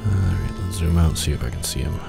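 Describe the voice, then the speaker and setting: Stuffed up with a cold, a man hosts a casual let's play, rambling easygoing gameplay commentary full of filler. His low, creaky voice is animated and quick, heard over music.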